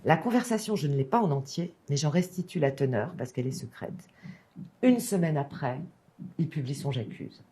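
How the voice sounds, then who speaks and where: Low, mellow-voiced woman author, emphatic. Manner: emphatic, enthusiastic, lots of restarts and fillers. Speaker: author and biographer guest. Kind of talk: passionate interview answers.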